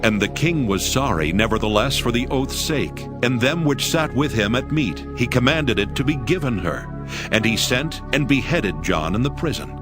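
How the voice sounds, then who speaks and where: A man's voice: medium pitch, animated, normal speed, music in the background. A man narrating scripture in a dramatic, scripted audiobook style.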